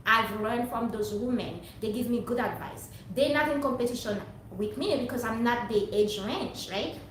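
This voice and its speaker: A woman's voice: on the high side, normal speed. A young woman from Haiti, talking to her viewers in a rambling, earnest, preachy monologue. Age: young adult. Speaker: vlogger. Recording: very echoey room, distant mic, faint noise.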